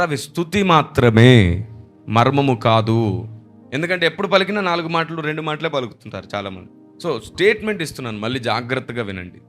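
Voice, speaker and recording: Emphatic preacher man, bright voice. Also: mid-range voice. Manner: emphatic, repeats phrases for stress. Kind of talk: Telugu sermon.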